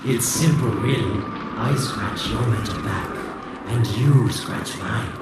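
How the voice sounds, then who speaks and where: An actor playing a smug, scheming video game villain with a sardonic, theatrical manner. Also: male voice, lowish voice, slow. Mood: sly taunting. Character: smug, scheming male villain, slyly taunting and mocking. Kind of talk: video game character acting. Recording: distant, very echoey, over loud game noise.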